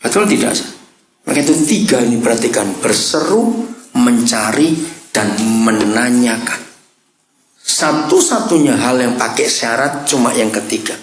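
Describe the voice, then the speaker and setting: A male pastor giving a lively sermon, speaking straight to his congregation, asking for their responses and breaking into sudden shouts. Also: medium pitch, normal speed. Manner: animated, swings from calm talk to sudden shouts. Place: church hall. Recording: echoey church hall.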